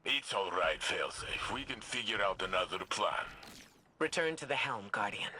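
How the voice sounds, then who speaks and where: A man voicing a calm, steady male crewmate in a video game, speaking in a reassuring tone. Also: lowish voice, moderate pace, a little hiss or hum. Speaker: game character.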